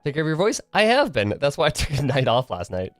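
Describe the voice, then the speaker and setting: A man's voice: fairly high pitch, wildly swooping pitch, quick pace, dry recording, soft background music. A young man streaming solo, rambling casually with lots of fillers, his voice a bit stuffy and nasal from a cold and tired from the morning. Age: young adult. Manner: rambling, filler-heavy, restarts often.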